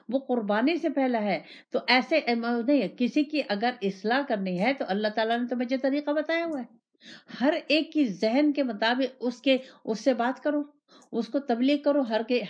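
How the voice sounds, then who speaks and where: A woman's voice: a little high, a little mellow. A woman giving an Islamic sermon, repeating phrases and asking rhetorical questions in the first person. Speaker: religious teacher. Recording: dull lo-fi recording.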